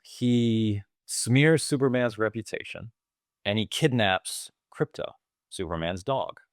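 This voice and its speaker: Lower-pitched man, smooth voice. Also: animated, takes it slowly, no room sound, clean studio sound. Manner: enthusiastic, retells scenes at length. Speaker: podcast co-host. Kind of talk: casual movie podcast chat.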